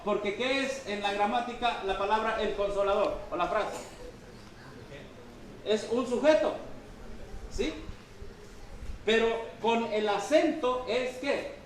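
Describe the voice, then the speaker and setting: A man preaching a sermon and reading from the Bible, quizzing the congregation with questions as he goes. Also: very high voice. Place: church hall. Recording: very echoey hall, from far off.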